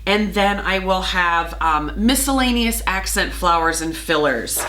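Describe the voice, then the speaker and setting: A middle-aged woman talks casually and a little scratchily, hoarse from a cold. Her tone stays bright and forward despite the rasp. She is chatty and organized, dotting her sentences with ums and uhs. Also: lively intonation, a little slow. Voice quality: scratchy, slightly lower than usual. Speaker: flower farmer and vlogger. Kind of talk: casual vlog walkthrough.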